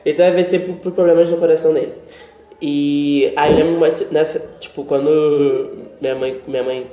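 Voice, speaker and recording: A man's voice: a little high, moderate pace. A young man from Brazil, co-hosting a podcast and telling a personal story in casual chat, acting out the dialogue he recounts. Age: young adult. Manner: animated, acts out quoted dialogue. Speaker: podcast co-host. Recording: roomy, dull-sounding home recording.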